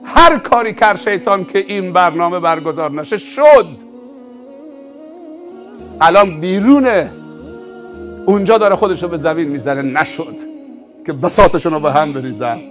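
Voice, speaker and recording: A man's voice: on the high side, fairly bright tone, faint music behind. A male preacher telling a story in a sermon, with dramatic, swelling emphasis.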